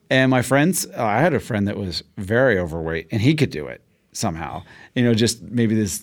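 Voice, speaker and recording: An ordinary speaking voice moves at a fairly quick pace with lively intonation on a very clean recording with a silent background. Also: man. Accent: American. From southwest Missouri, then Indianapolis. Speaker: stand-up comedian. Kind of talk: casual interview chat.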